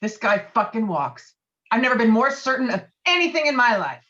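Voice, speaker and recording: A combative, profane war veteran acted by a woman in a script read-through. The voice is high and very animated, heard through a slightly dull call connection. Every point is pushed hard and stubbornly. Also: normal speed. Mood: belligerent. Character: Walter, hot-tempered, stubborn, bullying male war veteran. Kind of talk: virtual table read of a film script. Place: remote video call.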